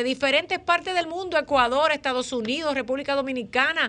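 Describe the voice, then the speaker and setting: A woman raises and projects her high voice. Her tone is bright and sharp. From raised in the United States. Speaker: radio host. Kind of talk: live radio talk show. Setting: radio studio. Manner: animated.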